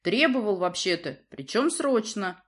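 A woman's voice: medium pitch, lively intonation, moderate pace, natural voice. A woman voicing a stern, domineering lion prince who scolds his daughter in a roaring, imperious manner. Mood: angry.

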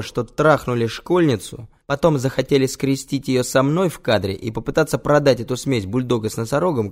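A man narrating a first-person audiobook in a sardonic, crude, expressive way. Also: mid-range voice.

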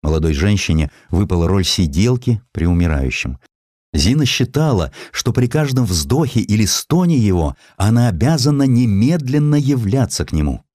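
A man narrating a literary story as an audiobook, with expressive, theatrical delivery. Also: lowish voice, normal speed, no echo, clean studio sound. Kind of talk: dramatic scripted literary narration.

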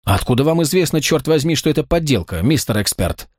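A man voicing a sharp-tongued young woman art buyer in an audiobook, challenging and quick to irritation. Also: fairly high pitch, very animated, dry recording, studio quality.

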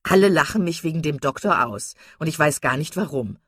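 A woman's voice: low-pitched, lively intonation, a little fast, slightly rough, dry recording, clean studio sound. A woman voicing a silly, vain young woman who talks in an affected, simpering way.

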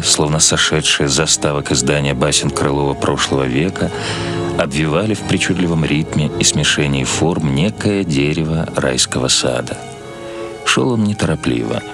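A man reading a novel for radio as an actor, with measured, expressive literary narration. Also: very deep voice. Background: music.

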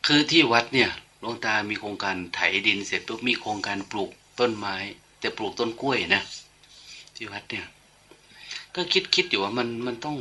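A man's voice: on the low side, fairly quick, bright, forceful tone, husky. An older man, a monk, giving an informal, chatty sermon full of anecdotes and light humor. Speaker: monk giving a dharma talk.

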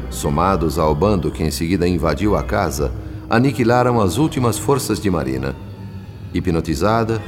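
A man with a Brazilian accent narrating a radio soap opera in a measured, solemn, dramatic way. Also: low voice, darkish tone, long reverb tail. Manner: measured, solemn, literary phrasing.

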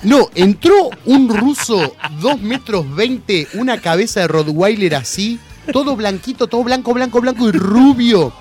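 A man's voice: sits high, measured pace, soft background music. A young man with an Argentine Rioplatense accent, a radio host telling a funny story in a casual, laughing way full of slang. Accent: Argentine Rioplatense Spanish. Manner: animated, laughing, heavy slang. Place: radio studio.

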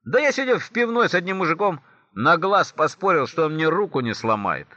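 A man puts on a battered husband from a spoken joke, who explains his injuries in a sheepish, matter-of-fact way. The voice sits a little high. It comes through a dull, lo-fi recording. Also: very animated, brisk, bright, forceful tone, no echo. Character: husband back from a pub brawl.

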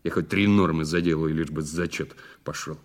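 Surly, deep-voiced male prisoner. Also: steady tone, moderate pace. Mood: gruff, matter-of-fact. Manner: curt, sardonic, surly. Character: defiant, bitter working-class male prisoner under interrogation. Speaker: actor in an audio play. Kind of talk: naturalistic audio drama dialogue.

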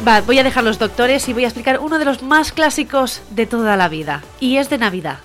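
A woman co-hosts a radio comedy show, telling jokes with lively energy and putting on little voices for the characters. Faint music sits under her voice in the studio. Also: on the high side, fairly quick.

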